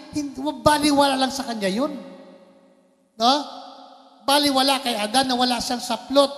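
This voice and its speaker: A man's voice: extremely high pitch, a bit bright, big-room sound. A man preaching a sermon as pastor, playful, often asking the congregation questions. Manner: preaching in Tagalog mixed with English, playful, asks the congregation questions. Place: church.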